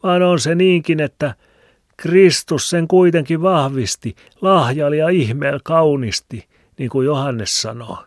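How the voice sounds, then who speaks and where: A man voicing a pious, whining old village woman with a squeaky voice, in a dry close recording. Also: dry recording, lightly acted. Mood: pious whine. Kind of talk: audiobook reading. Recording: dry close studio sound.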